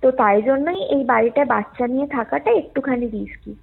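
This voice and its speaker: A woman telling a story conversationally over a call, with hesitant, drawn-out and repetitive phrasing. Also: sits high, creaky, breathy edge. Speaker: caller telling a ghost story. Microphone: phone call. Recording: muffled lo-fi call with music underneath. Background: music.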